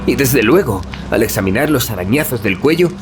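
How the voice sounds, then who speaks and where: An actor playing a chatty, wry young student in an audio drama, conversational and gossipy. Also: male voice, mid-range voice, lively intonation, brisk, natural voice. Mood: wry, intrigued. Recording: dialogue over clear background music.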